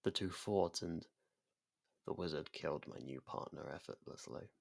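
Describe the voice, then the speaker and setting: Male actor as ancient domineering vampire, low-pitched, breathy, seductive, deliberate, theatrical ASMR monologue, close dry sound. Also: a little mellow, no room sound. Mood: cool, detached. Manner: slow, deliberate, theatrical, often dropping to a whisper.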